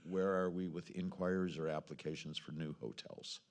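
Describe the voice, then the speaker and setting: A man speaking as mayor at a council meeting, halting and repeating words as he works through his point. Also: low-pitched, steady tone. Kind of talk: formal meeting discussion.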